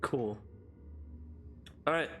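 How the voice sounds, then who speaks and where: A man running a tabletop game as game master, narrating scenes in a measured, descriptive way. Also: noisy background.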